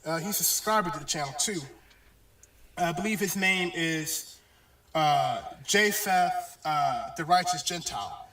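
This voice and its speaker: A male religious teacher gives a bible lesson video in a bright, pushed voice that sits on the high side with lively intonation. His delivery is hesitant and halting, full of pauses and fillers, and the video playback sounds echoey, roomy and distant.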